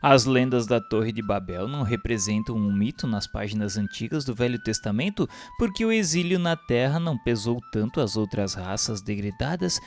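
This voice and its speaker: A man's voice: mid-range voice, lively intonation, normal speed, hardly any pauses. A man with a Brazilian accent reads a scripted religious text as narrator, in a solemn, formal, declamatory manner. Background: instrumental music.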